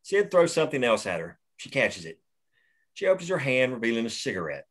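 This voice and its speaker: A man reading the action lines of a screenplay aloud at a table read, steady and plain. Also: medium pitch, a little fast. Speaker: narrator reading stage directions.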